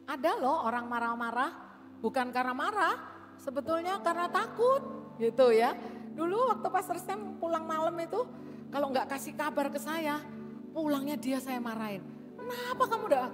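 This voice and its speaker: Woman preaching in a reverberant church hall. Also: a little high. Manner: warm preaching with call-and-response amens. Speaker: pastor. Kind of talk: sermon.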